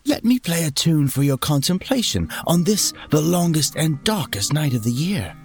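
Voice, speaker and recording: A man's voice: on the high side, very animated, normal speed, darkish tone, faint music behind, voice pushed up. A man voicing a loyal, cheeky bard companion with a droll, eager manner in a storybook tale. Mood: solicitous.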